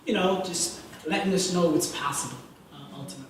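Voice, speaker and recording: A man from Jamaica speaking on a panel, talking in an energetic, conversational way with rhetorical questions. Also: a little high, fast talker, a little hiss or hum. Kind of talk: panel discussion. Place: event hall. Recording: echoey hall from far off.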